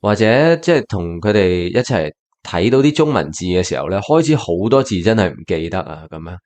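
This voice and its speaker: Low-voiced man hosting a bilingual podcast. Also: sing-song, darkish tone. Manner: mixes Cantonese and English, halting with many fillers. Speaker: podcast host. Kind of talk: casual bilingual podcast chat.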